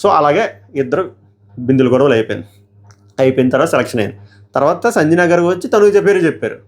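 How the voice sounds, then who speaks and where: A young man with a slightly high voice, hoarse from shouting, argues his points hotly. He fires questions straight at his viewers and presses his opinions hard. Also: lively intonation, quick pace. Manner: heated, argumentative, asks viewers questions. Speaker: show reviewer. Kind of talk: opinionated episode review.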